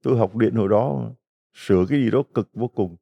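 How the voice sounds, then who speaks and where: A man's voice: on the low side, a little fast, vocal fry, husky, lo-fi sound. A middle-aged man, a Catholic priest, giving a folksy retreat homily full of stories and rhetorical questions to the congregation.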